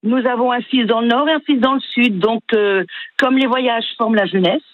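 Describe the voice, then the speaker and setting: An older woman from northern France with a northern French accent, calling in to a radio show, friendly and hesitant with many pauses. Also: fairly high pitch, dry recording, narrow, tinny audio. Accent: northern French (Flemish area). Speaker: caller.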